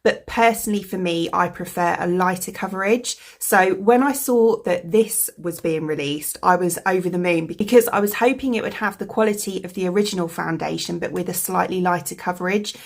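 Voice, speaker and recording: A woman with a croaky voice from a cold, chatting casually as a beauty vlogger, rambling with lots of fillers. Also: lowish voice, a little fast, hardly any pauses. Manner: rambling, full of fillers like "like" and "you know". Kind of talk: chatty product review.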